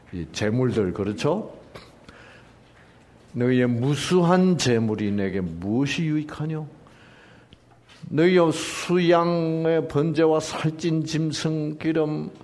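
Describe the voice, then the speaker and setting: A man teaching a Bible passage as a sermon, often asking and answering his own questions, with sudden drops into whispers. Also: lowish voice. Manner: rhetorical questions and answers, swings from loud to whispered. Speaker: pastor.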